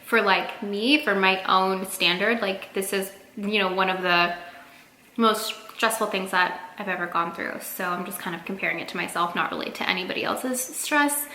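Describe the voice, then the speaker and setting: A woman's voice: medium pitch, moderate pace, sharp tone. A woman in her thirties talking casually to camera as a vlogger, chatty with lots of fillers, eating while she talks. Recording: echoey room with faint noise.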